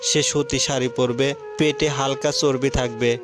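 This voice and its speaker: A man's voice: medium pitch, steady tone, a little slow, close to an everyday voice. Man voicing a scornful young rich guy. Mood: dreamy. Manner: scornful, sharp-tongued. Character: arrogant young man Arnab, back from abroad. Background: background music.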